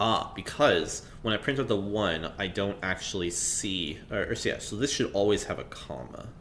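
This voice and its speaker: The speech moves at a moderate pace with hardly any pauses, over noticeable background noise. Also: man, fairly low pitch for a man, ordinary pitch variation. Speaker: computer science lecturer. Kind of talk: programming tutorial, think-aloud coding. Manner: hesitant, many filler words.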